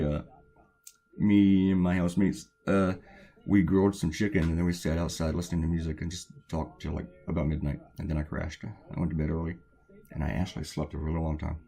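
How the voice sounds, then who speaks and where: A man chatting casually as he draws, telling rambling stories with lots of fillers, his voice a little hoarse and weak. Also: deep voice, a little mellow. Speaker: cartoonist. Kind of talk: casual chat while drawing.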